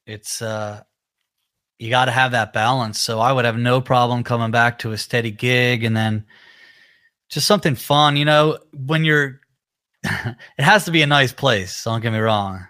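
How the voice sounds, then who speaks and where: This man, a musician co-hosting a casual live stream chat, meanders through the conversation in a relaxed way, leaning heavily on fillers. His nasal, mid-range voice sounds pushed and bright and runs a little slow.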